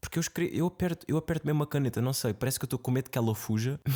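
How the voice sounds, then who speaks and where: In a very clean recording with a silent background, a man with a dark, mellow tone speaks with ordinary pitch movement, the sound dry and close without echo. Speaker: podcast host. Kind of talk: casual solo podcast monologue. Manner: casual, filler-heavy.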